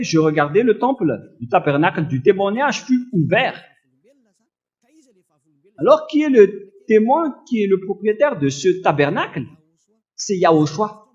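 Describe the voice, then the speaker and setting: A man preaching a fervent sermon in a loud, forceful, admonishing manner, reading and explaining scripture. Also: high voice, highs cut off. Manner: accusatory, admonishing.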